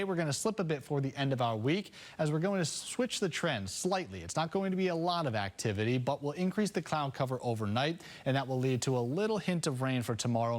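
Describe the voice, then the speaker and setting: A man presenting the morning weather forecast on a local news broadcast, relaxed and conversational. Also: medium pitch. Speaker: TV meteorologist.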